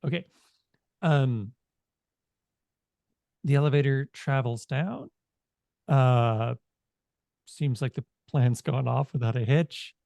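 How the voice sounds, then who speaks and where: A man speaking in a halting, informal way as he narrates a tabletop game as game master. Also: medium pitch, gravelly, a little mellow, no room sound.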